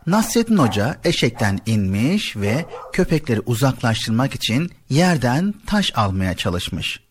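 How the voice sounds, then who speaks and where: A man's voice: mid-range voice, very animated, measured pace, a little hiss or hum. A man narrating a scripted folk tale as a storyteller on a radio show.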